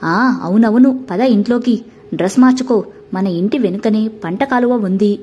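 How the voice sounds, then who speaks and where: A woman voicing a loud, excited middle-aged village uncle who calls out heartily. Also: medium pitch, moderate pace, husky, lightly acted. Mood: hearty.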